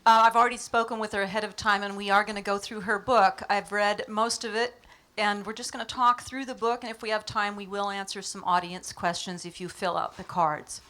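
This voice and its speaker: Woman host, mid-pitched, eager and admiring, asks long questions on stage. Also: steady tone, brisk, sharp tone. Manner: enthusiastic, admiring reactions. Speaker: interviewer, host. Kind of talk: public interview before an audience. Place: stage before a live audience.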